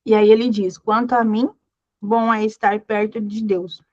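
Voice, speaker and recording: A woman's voice: mid-range voice, steady tone, unhurried, a little mellow, no echo, lo-fi sound. A woman leading a Bible study, encouraging her listeners with repeated phrases and reading scripture aloud. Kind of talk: devotional teaching.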